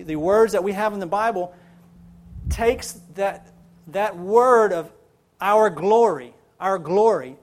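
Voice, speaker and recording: A man preaching a sermon as pastor, building emphasis and repeating phrases for stress. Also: high-pitched.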